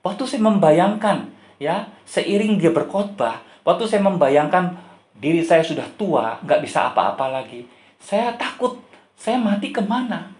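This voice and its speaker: A man's voice: a little high, lively intonation, measured pace, darkish tone. A man preaching in a church, voicing a grown uncle who is confessing his fear of old age and death with rising urgency, heard in an echoey hall. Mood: earnest. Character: grown man, an uncle, frightened then resolved.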